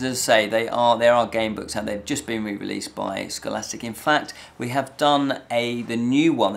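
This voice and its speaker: A man's voice: medium pitch, gravelly, fairly bright tone. A middle-aged man giving a casual, rambling review to camera, often repeating and rephrasing himself. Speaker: host of a fantasy review show. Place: small indoor set with draped backdrop.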